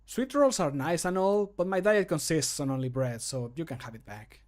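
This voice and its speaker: A man voicing a polite but dismissive video game character, measured, starting sing-song and falling away. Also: a little high, expressive, a little mellow, lightly acted. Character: game character politely turning down a sweet roll. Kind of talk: video game voice line acting.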